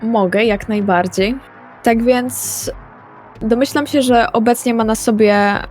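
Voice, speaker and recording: Mellow-voiced woman roleplayer. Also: medium pitch. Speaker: tabletop roleplay player. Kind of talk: casual descriptive talk.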